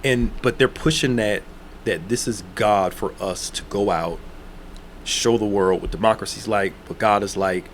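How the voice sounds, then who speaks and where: A man's voice: fairly low pitch, a little hiss or hum. Chatty co-host in his thirties. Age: 30s. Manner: casual, chatty, quick to agree. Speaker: radio co-host. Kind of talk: call-in talk show.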